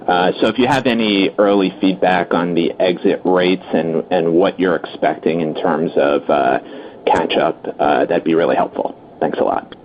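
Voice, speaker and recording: Low-voiced male analyst on a conference call. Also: normal speed, lo-fi sound. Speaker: financial analyst asking questions. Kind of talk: conversational questioning on an earnings call. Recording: conference call with faint noise.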